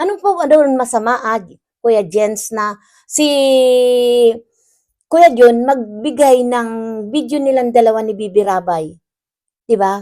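High-pitched woman with lively intonation, very slow and full of long, frequent pauses, on a very clean recording with a silent background. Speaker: YouTube reaction vlogger. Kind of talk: casual commentary on a reacted video. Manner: halting, many fillers.

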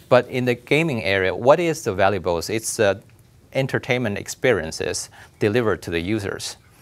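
Lively intonation marks a man's fairly quick speech. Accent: Chinese. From China, Beijing. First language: Mandarin Chinese. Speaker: blockchain entrepreneur; guest. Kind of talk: interview. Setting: studio. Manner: hesitant with many fillers. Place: studio. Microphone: lapel.

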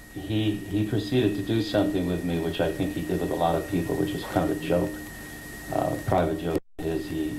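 Against noticeable background noise, a man with a very deep, low voice talks at a fairly quick pace with ordinary pitch variation. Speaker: guest. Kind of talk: interview answer, anecdote. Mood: amused storytelling. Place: hall.

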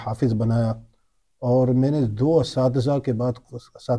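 A somewhat breathy voice with a dark, mellow tone comes through over a quiet background. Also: man. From Pakistan. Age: 40s. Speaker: imam. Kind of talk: interview. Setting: mosque. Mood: calm, earnest. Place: church. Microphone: lapel.

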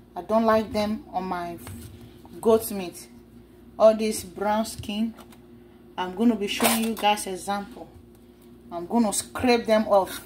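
Music plays in the background as a woman speaks at a very slow pace. Her intonation is fairly even. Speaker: home cook vlogger. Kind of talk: casual cooking vlog chat. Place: kitchen. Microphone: phone near.

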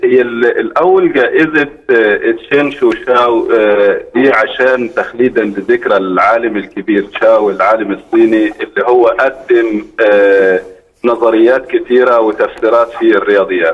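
A man speaks at a very slow pace. His loudness stays very even throughout. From Egypt, Sohag. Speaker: mathematics professor. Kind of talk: phone interview. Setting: phone call.

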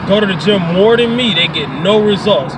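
Moderate-speed male speech with noticeable background noise. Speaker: vlogger. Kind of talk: casual vlog chat. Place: car. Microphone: phone near.

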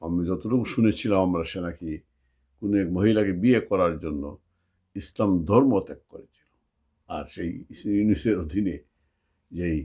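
In a very clean recording with a silent background, a man speaks with a very deep, low pitch, a dark, mellow tone and ordinary pitch variation. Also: big swings in loudness. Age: 60s. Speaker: political commentator. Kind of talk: political monologue. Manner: impassioned.

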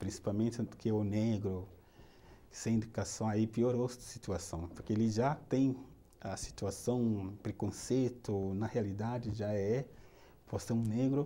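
A man with a Nigerian accent speaks slowly, at a fairly low pitch with a dark, mellow tone and fairly even intonation, leaving long, frequent pauses. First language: Yoruba (speaking Portuguese). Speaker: cultural educator. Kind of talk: life-story interview; interview answer. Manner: halting. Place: studio.

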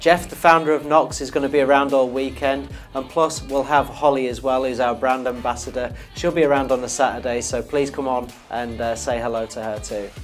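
Faint music plays in the background as a man speaks at a fairly quick pace with fairly even intonation. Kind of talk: promotional piece to camera. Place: studio.

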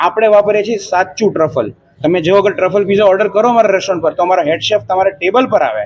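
A man with a high-pitched voice and ordinary pitch variation talks while noticeable background noise carries on. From Mumbai, India. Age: 20s. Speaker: restaurant owner and software engineer. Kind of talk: interview.

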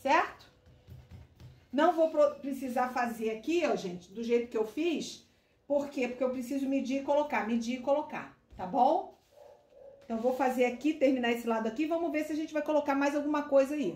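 Long, frequent pauses break up a high-pitched woman's speech, heard with audible room echo. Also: ordinary pitch variation, moderate pace. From Niterói, Rio de Janeiro, Brazil; Rio de Janeiro, Brazil. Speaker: sewing and craft instructor; craft instructor. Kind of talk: tutorial. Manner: animated. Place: workshop. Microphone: phone near.

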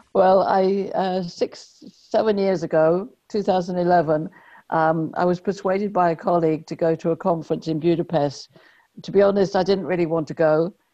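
Someone with an English accent talks at a moderate pace with fairly even intonation over a quiet background. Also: woman, fairly low pitch for a woman. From London, England. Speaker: business consultant; podcast guest. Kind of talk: interview. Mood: warm, smiling. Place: home room. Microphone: earbuds.

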